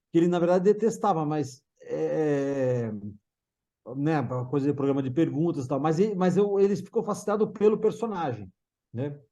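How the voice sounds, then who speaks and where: A Brazilian man reminiscing casually as a guest on a video call, halting and repeating words as he recalls. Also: a little high, dark tone. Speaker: discussion guest.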